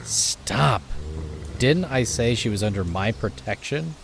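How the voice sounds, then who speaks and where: Guy acting as stern wolf pack boss, really slow deliberate talk, audio drama, noisy ambience behind. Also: fairly low pitch, expressive, gravelly, exaggerated voice. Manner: slow, authoritative, measured. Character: commanding male wolf, stern protective pack leader.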